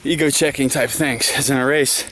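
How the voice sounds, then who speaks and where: A man's voice: mid-range voice, fairly even intonation, normal speed. A man talks casually to camera while running and climbing on an outdoor trail, somewhat winded, with sighing breaths between phrases. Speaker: trail runner vlogging his run. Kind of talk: casual vlog commentary to camera. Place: outdoors on a rocky wooded trail. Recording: clear outdoor background noise.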